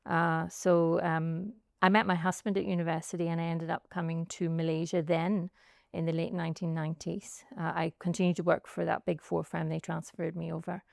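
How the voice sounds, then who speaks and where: A woman with a Northern Irish accent speaks in a low, gravelly voice, thinking aloud as she tells her story. She is unhurried and reflective, and pads her answers with "um" and "and so on." The sound is close and dry. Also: flat delivery, no echo. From Northern Ireland. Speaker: guest, chartered accountant and academic. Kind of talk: conversational interview answers. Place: outdoors by a pool.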